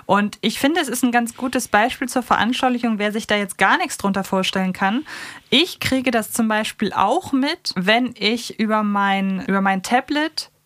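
A woman's voice: a little high, moderate pace, a bit bright, no echo. A woman co-hosting a podcast, explaining things in a casual conversational style close to the microphone. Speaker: podcast co-host.

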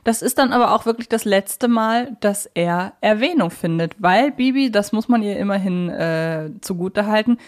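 A woman's voice: mid-range voice, moderate pace, hardly any pauses. A woman hosts a podcast in a casual, conversational way. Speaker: podcast host.

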